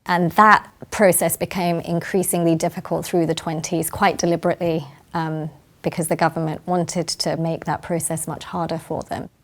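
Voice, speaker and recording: A woman's voice: deep voice, level tone, moderate pace. A woman, a playwright, talking in an explanatory interview style.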